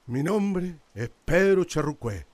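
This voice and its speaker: A man's voice: fairly high pitch, very animated, slow pace, a little mellow, no echo. An actor playing an embittered, mournful old indigenous man, speaking plainly and deferentially in a radio drama. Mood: intense. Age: older. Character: anguished, embittered old indigenous man, last of his people.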